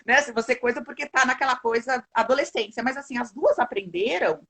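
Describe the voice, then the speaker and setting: A woman's voice: high voice, a little fast, crowd noise. A woman with a Brazilian accent, a parenting educator chatting earnestly on a live video call and acting out quoted lines. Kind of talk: casual live chat.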